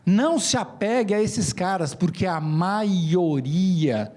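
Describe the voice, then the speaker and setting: São man, lively comic storyteller, high voice, slangy. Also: takes it slowly. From São Paulo, Brazil. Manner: animated, joking, slangy. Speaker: speaker at an event. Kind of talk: comedic storytelling talk. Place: stage at a conference.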